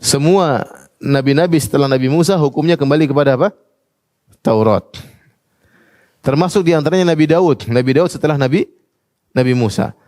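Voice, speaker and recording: A man's voice: fairly high pitch, fairly quick, pauses often, a little mellow, no room sound, studio quality. A man giving a religious lecture as a preacher. He recites Arabic passages and translates each one, and he puts questions to his listeners. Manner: quotes Arabic passages then translates them, asks the audience questions. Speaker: Islamic preacher.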